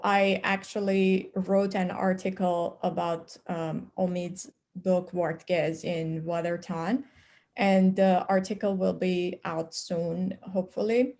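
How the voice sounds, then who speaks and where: Slow-paced woman interviewer, measured. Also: mid-range voice, flat delivery, a little mellow. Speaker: interviewer, academic discussant. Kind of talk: moderated literary conversation.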